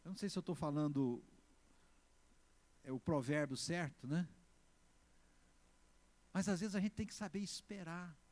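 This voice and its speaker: Emphatic Brazilian pastor with a high voice. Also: male voice. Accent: Brazilian Portuguese. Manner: emphatic, swings between loud exclamations and slow stressed words; asks the congregation for responses. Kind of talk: sermon.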